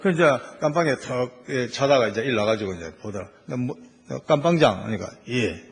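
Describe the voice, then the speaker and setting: Animated husky-voiced man telling a church story. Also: mid-range voice, fast. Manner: animated storytelling with Gyeongsang dialect. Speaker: church elder and prison official preaching. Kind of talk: sermon testimony. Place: church sanctuary.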